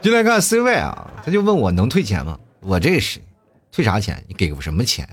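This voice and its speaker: Joking male host with lively pitch. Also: fairly quick, slight background noise. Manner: joking, teasing, often laughing. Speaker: radio host reading listener messages. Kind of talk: casual chat show.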